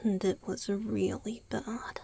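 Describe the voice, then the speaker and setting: A woman voicing a gentle, youthful male vampire boyfriend in a romantic ASMR roleplay, soft and hesitant. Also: medium pitch, fairly even intonation, takes it slowly, slight background noise. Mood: wistful, confessional. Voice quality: soft, breathy, husky. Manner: hesitant, tender, sighing delivery.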